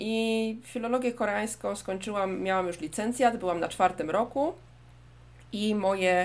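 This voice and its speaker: Here is a woman with an ordinary speaking voice. Her pace is moderate and her intonation lively. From Poznań, Poland. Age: 30s. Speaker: podcast host, lives in Korea. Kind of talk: casual chat.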